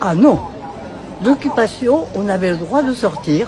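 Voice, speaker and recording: Over crowd noise in the background and audible room echo, a woman's voice swings very widely in pitch. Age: 80s+. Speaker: elderly protester interviewed on street. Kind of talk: street interview.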